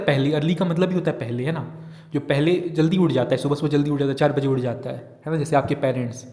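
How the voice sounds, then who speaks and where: A man's voice: a little high, in a large hall. A man with an Indian English accent tutoring young students, explaining English questions in a casual, repetitive way and often checking that they follow. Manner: repetitive, keeps asking "right?" and checking understanding. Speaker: online olympiad teacher.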